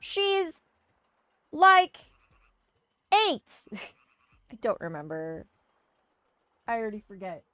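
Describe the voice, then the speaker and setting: A woman streaming a game and reading its dialogue aloud, slipping playfully into goofy high voices for the characters. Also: big pitch swings, takes it slowly, long pauses, sharp tone, clear, resonant tone, no room sound. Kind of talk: casual let's-play with read-aloud character voices.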